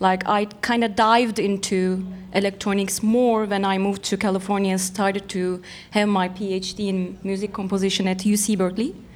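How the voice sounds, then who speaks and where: Her intonation stays monotone and flat. The woman's pitch is in the middle range. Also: moderate pace. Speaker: composer and sound designer. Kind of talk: interview.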